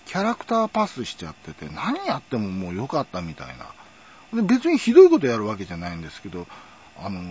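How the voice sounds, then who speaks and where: A man's voice: lowish voice, a little hiss or hum. A middle-aged man with a Kansai accent, reminiscing in a rambling casual monologue with chuckling asides. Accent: Kansai Japanese. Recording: dull lo-fi recording.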